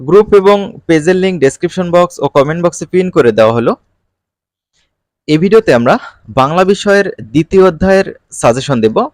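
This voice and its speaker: A man runs a casual exam-prep lesson for students. His voice sits a little high for a man, and he talks in an easy, colloquial way with fillers. The recording is close and dry, with no room sound. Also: expressive, moderate pace, darkish tone, no room sound. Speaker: online tutor.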